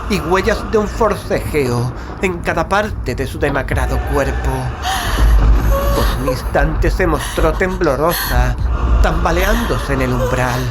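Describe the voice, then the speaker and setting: A man from reads a gothic horror tale as narrator, solemn and theatrical, with deliberate phrasing. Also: a little high, lively intonation, rough recording. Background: loud dramatic music bed.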